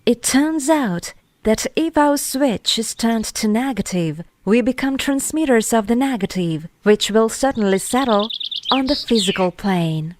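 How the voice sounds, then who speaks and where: A woman reading a scripted spiritual voice-over in a measured, deliberate way, phrase by phrase with pauses. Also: fairly high pitch, animated. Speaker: narrator reading an article. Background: music.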